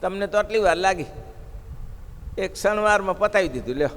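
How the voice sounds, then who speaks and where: A man's voice: sits high, expressive, brisk, fairly bright tone. A man with a Gujarati accent giving a storytelling sermon, acting out the people in his tales. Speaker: religious speaker at a gurukul. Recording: long reverb of a hall.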